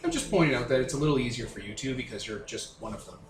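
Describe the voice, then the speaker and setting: A man's voice: mid-range voice, lively intonation, very fast. A man running a tabletop game, improvising narration and bantering casually as game master. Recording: roomy, faint background noise.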